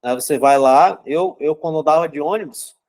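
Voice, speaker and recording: Young man with a slightly high voice, explaining psychology in a relaxed, conversational way. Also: normal speed. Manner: conversational, keeps asking "né?" and "certo?". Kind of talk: casual teaching talk.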